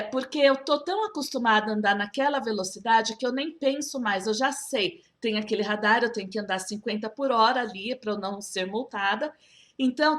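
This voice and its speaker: A woman's voice: on the high side, a bit bright. A woman teaching English, explaining to viewers in a chatty way, often restarting and asking them questions. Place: school's own video channel.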